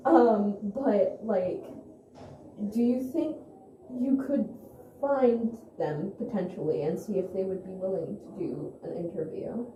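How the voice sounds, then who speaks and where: A woman playing an awkward, hesitant young amateur investigator who talks haltingly in a found-footage vlog. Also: mid-range voice, dark tone, highs cut off, close to an everyday voice. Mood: tentative. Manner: halting, hesitant, full of restarts. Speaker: video host and interviewer. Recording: roomy echo, faint noise, handheld camera.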